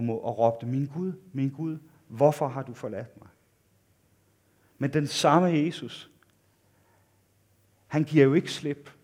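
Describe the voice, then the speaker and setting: A man preaching a sermon in an earnest, intimate way, his voice rising for emphasis and dropping quiet at the ends of thoughts. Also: medium pitch.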